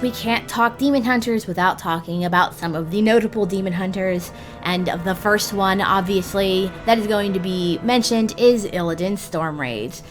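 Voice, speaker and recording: Woman narrating a guide over music. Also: medium pitch. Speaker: video guide host. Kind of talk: scripted narration for a gaming roleplay guide. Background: music behind the voice.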